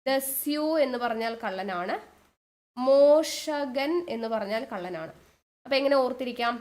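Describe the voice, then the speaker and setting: A woman teacher giving an online exam coaching lesson. She explains slowly, drags out key words and repeats them, and asks questions and then answers them herself. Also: fairly high pitch, lively intonation, darkish tone.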